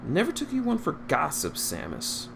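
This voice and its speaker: A man plays a proper young princess in a story, pitched up from a natural male register. She is easily flustered and defensive, and the recording has clear noise behind it. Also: huge pitch swings, moderate pace, heavily acted.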